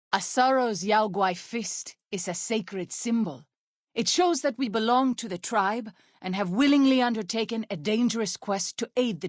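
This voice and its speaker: An actress voicing a solemn, devout tribal woman in a video game, speaking in a formal, measured and earnest way. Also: fairly high pitch, no echo, clean studio sound. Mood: calm, courteous. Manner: formal, measured, earnest speech with few contractions. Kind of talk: video game character dialogue.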